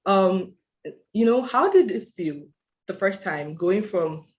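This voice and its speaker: An interviewer hosting a casual chat, speaking excitedly with many fillers like you know and like. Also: medium pitch, slow. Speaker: interviewer host. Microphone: video call.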